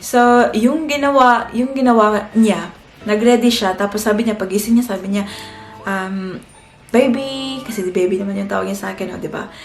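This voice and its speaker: A woman's voice: mid-range voice, steady tone, normal speed, creaky. A young Filipina woman telling a personal story in a chatty vlog, often turning to her viewers. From Philippines. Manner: chatty, keeps addressing viewers as guys. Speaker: family vlogger. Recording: echoey room with faint music.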